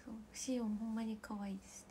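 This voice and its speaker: A woman with a Kansai accent chatting casually with livestream viewers as the host, giggling often and slipping into soft whispered asides. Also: fairly high pitch, fairly even intonation, fast, a little hiss or hum. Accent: Kansai Japanese.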